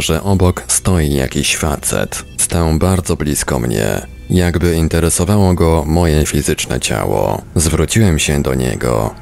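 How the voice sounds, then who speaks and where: A man's voice: rumbling low, creaky, darkish tone. A man reading a first-person book aloud as scripted narration. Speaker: audiobook reader.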